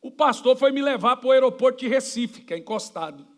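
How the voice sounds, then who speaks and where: A Brazilian man preaching a sermon in church, his voice sitting unusually high. He tells jokey stories and acts out the people in them. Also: lively intonation, brisk. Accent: Brazilian Portuguese. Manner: storytelling, jokey, acts out quoted dialogue. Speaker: pastor.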